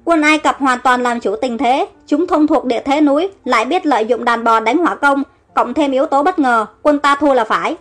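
An urgent battlefield messenger, read by a woman narrator hurries through grim reports to his king in an audio storybook. The voice is high and quick. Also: fairly bright tone. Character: dutiful soldier delivering grim battle reports.

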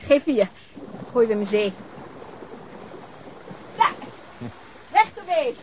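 Playful outspoken woman, brisk, coaxing, caring, radio drama, clearly noisy ambience. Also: a little high, sing-song. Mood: playful, excited. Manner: brisk, coaxing, plain-spoken. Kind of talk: naturalistic Dutch radio drama acting. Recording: clear outdoor ambience noise behind.

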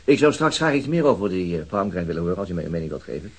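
A man acting a weary, restrained police inspector in a Dutch radio drama, speaking tersely with hesitant pauses. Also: low-pitched, very animated, husky, exaggerated voice. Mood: polite, probing.

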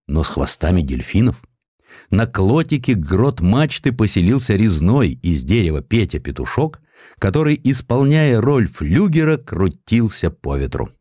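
A man narrating a historical story in an expressive, theatrical literary style. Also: lowish voice, dry recording, clean studio sound. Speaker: narrator, audiobook reader.

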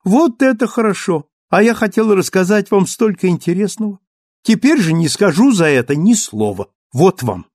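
A man's voice: high-pitched, moderate pace, dry recording, studio quality, pitched above the performer's own voice. A man voicing a playful, petulant young wife who coaxes and pouts. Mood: pouting, coaxing. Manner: coaxing, pouting, lively.

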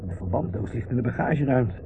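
An actor playing an irritable, gloomy company director and husband in a Dutch radio play, curt and sardonic. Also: male voice, medium pitch, animated, fast, lightly acted. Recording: muffled, noisy old radio play recording.

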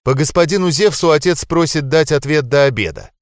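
Male reader doing a young angel wife for an audiobook: higher, soft, earnest, devoted and anxious, dry close sound. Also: lively intonation, brisk, no room sound, lightly acted. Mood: reporting. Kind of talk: audiobook character voicing.

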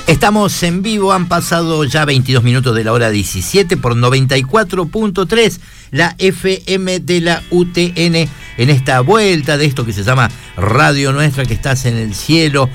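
A man with a Córdoba Argentine accent hosts a live radio show, his pitch swinging up and down as he jokes and teases. He talks in quick, casual asides from a studio, and faint music plays behind him. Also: expressive, fairly bright tone. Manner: joking, teasing, quick asides. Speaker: radio host.

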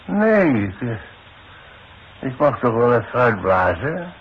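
A proud old retired demolition worker in a vintage radio drama. He is slow and halting, stammering evasively as he hides his fear. The sound is muffled, with a clear hiss. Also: mid-range voice, very animated. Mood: evasive, hesitant. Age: older. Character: proud old retired demolition man, a hesitant, frightened father. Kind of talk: 1960s Dutch radio play acting. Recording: muffled, hissy 1960s radio play recording.

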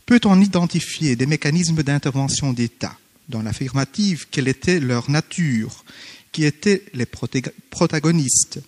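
A man who is not a native French speaker, formally reading a conference paper with hesitant pauses and self-corrections. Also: fairly high pitch, expressive, darkish tone, long reverb tail. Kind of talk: academic conference paper read aloud. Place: conference hall.

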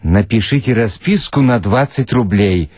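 A man's voice: fairly low pitch, lively intonation, a little slow, a little mellow, husky, no echo. A man voicing a stern newspaper manager with a dry, commanding manner, in a dramatic story reading. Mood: grudging.

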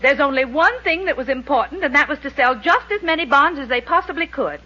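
A woman's voice: sits high, animated, fairly quick, pushed and bright. An actress playing an earnest, insistent middle-aged mother in 1940s radio style. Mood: earnest pleading. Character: earnest mother, pleading with her indignant husband. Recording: muffled old radio recording.

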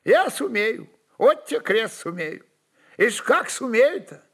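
A man's voice: very high voice, sing-song, slow pace, a bit bright, breathy edge, pitched above the performer's own voice, full character voice. A man voicing an eager, stubborn old Cossack with mischievous, wistful, rustic folksy speech in a dramatized story reading. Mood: eager, pleading.

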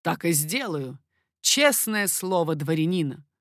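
A woman voicing an amorous, confident king in a storybook reading, lowering her voice and speaking slowly and insistently. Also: lively intonation, fairly bright tone, no echo, studio quality. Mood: slow persuasive. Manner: low, slow, insistent. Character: amorous middle-aged man, a king, confident and ardent.

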